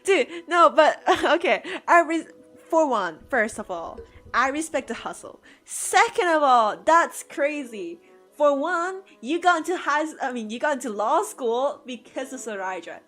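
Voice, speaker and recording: A woman with a Cantonese mother tongue talks to her chat while she draws, rambling from one aside to the next and breaking into laughter. Her voice sits a little high. Soft music plays quietly behind her. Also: expressive, a little slow. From Hong Kong. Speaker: art streamer. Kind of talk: casual chat while drawing. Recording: faint music under the voice. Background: soft background music.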